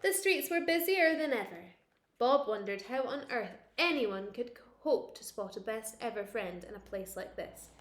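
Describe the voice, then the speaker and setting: A woman reads a children's picture book aloud like a teacher at storytime, expressive and playful. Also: on the high side, normal speed, echoey room. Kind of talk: animated children's storytime reading.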